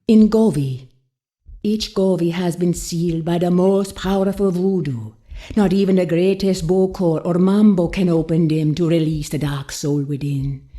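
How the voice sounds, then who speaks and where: An actress voicing a commanding, seductive voodoo priestess in a video game, a mysterious mentor with a portentous, folksy way of talking. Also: female voice, lowish voice, warm tone, close to an everyday voice. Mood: ominous warning. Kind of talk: dramatic game cutscene acting.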